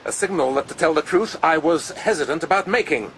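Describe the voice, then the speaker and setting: A man's voice: fairly high pitch, fairly quick, fairly bright tone, a little hiss or hum, close to an everyday voice. Man playing a pompous, sly army commander. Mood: gloating. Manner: pompous, drawling, coolly sardonic. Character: haughty, sly, spiteful aristocratic army commander. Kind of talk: radio drama acting.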